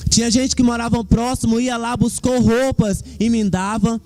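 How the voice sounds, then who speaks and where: A man's voice: extremely high pitch, level tone, normal speed, darkish tone, faint music behind. A young man giving a fervent church testimony, speaking directly to the congregation. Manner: fervent, addresses the congregation as "queridos".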